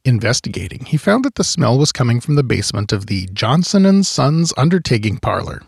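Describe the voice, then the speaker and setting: A man's voice: medium pitch, big pitch swings, fairly quick, vocal fry, breathy edge, no echo. A man telling a local history tale in scripted narration, with wry, dry humorous asides. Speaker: history podcast host.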